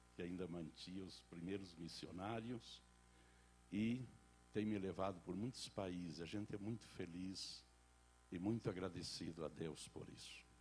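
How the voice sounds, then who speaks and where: Vocal fry marks a man's very deep, low pitch as he talks at a fairly slow pace. His intonation is lively, and there is audible room echo. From southern Brazil. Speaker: pastor and Bible teacher. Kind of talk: sermon.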